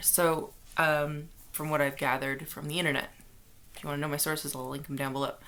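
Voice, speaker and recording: This woman's voice sits very deep and low, with a bright, sharp tone. Room echo is audible around her. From Canada, Ottawa, Ontario. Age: 20s. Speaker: vlogger. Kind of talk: informational vlog. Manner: casual, halting with fillers.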